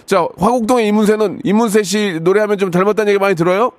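A man's voice: high-pitched, no room sound. Teasing male radio host, dry studio sound. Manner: teasing, quick deadpan verdicts. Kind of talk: lively radio call-in banter. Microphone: studio microphone.

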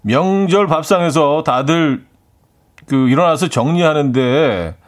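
A man hosting a casual radio chat, reading stories and trading playful quips with a relaxed, chuckling manner. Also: fairly high pitch, unhurried. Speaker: radio host.

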